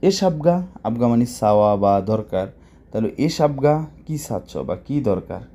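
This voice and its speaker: A man with a mellow, darker voice gives a language lesson. He goes word by word and repeats each phrase. He keeps checking his listeners with quick questions. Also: mid-range voice, expressive. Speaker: Arabic teacher.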